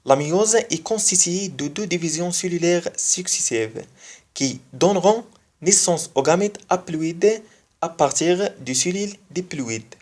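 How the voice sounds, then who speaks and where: A speaker whose first language is not French, giving a biology lesson online and repeating key phrases slowly for emphasis. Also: medium pitch, lively intonation, a little mellow. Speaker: biology video teacher.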